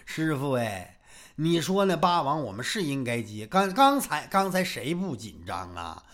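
An exasperated male disciple, voiced by a man telling a tale, speaks in a lowered, grumbling tone. He pleads and reasons with his master in colloquial folk-storytelling fashion. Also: sing-song, measured pace, a bit bright. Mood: aggrieved.

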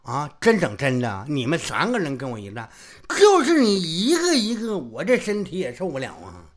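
A storyteller voicing a cheeky, crude older swordsman who mocks and banters with loud retorts. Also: a little high, wildly swooping pitch, moderate pace, pitched below the performer's own voice. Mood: protesting. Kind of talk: traditional storytelling performance.

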